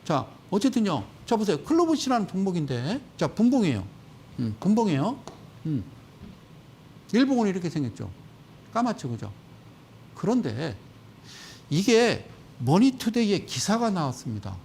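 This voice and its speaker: Animated sarcastic male stock commentator. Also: high voice, moderate pace, vocal fry, pauses often, slight background noise. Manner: animated, sarcastic, acts out quoted voices.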